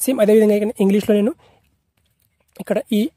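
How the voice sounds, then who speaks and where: A man's voice: sits high, fairly even intonation, fast talker, dark tone, slightly rough, dry recording. A man narrating an app tutorial in a repetitive, instructional way, mixing in English tech terms.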